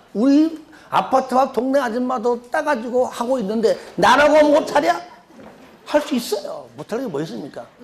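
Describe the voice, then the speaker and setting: A man's extremely high voice at a moderate pace, against noticeable background noise. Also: lively intonation. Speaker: lecturer at a cram school. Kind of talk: lecture. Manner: animated.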